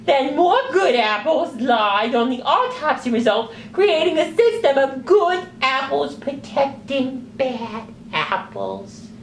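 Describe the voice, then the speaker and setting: A woman voicing an indignant, earnest male sock puppet in a news parody, with emphatic, exasperated, drawn-out words. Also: high-pitched, expressive, reverberant, slight background noise, heavily acted.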